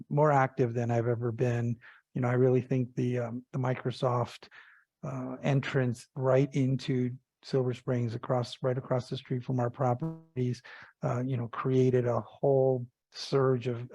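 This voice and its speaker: A man's voice: medium pitch, warm tone, dry recording. A man speaking as a company executive, answering investor questions on an earnings call and repeating phrases for emphasis.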